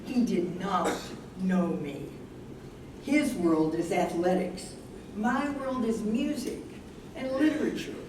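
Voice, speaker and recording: A very echoey, noisy recording of a woman as a bookish young college woman in a stage drama. She is self-assured, with a medium-pitched voice. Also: expressive, slow pace. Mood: firm. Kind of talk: staged play reading. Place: indoor venue at a live staged reading. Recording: very echoey, noisy room, far from mic.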